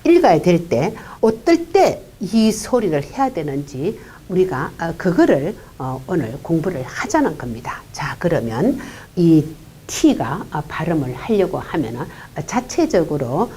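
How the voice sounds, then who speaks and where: Low, lively-voiced woman teaching pronunciation. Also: slight background noise. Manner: unhurried explaining with frequent "uh" fillers; quietly voices single consonant sounds. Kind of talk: classroom-style pronunciation lecture.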